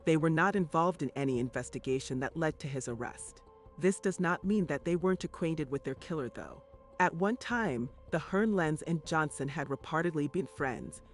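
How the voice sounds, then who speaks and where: Guy narrating a true crime doc, fairly high voice, dramatic and formal, music underneath. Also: normal speed. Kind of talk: scripted documentary narration.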